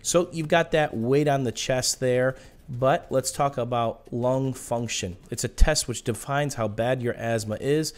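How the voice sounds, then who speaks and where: A short-winded man with a smoker's rasp and audible breathing, casually telling personal stories over video game commentary. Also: mid-range voice, darkish tone. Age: adult. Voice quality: raspy smoker's-cough sound. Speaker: gaming video host.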